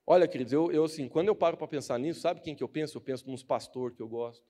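A man's voice: on the high side, fast, dark tone. A young man with a Brazilian Portuguese accent giving a casual, joking youth sermon as a preacher, acting out the people he quotes.

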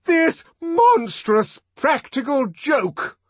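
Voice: medium pitch, very animated, a little slow, husky, no room sound, pitched above the performer's own voice. A reader voicing a pompous middle-aged male director who declaims sternly, majestically and indignantly, in the manner of an audiobook. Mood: outraged.

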